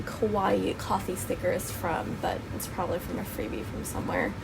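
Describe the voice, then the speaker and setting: Noticeable background noise surrounds the recording. A woman talks at a moderate pace. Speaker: planner and sticker YouTuber. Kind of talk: plan-with-me voiceover. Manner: casual, chatty.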